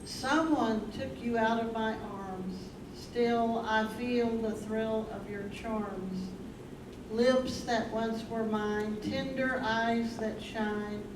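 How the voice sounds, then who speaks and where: A woman delivering song lyrics as part of a staged play reading. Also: fairly high pitch. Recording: echoey room, far from mic, clear background noise.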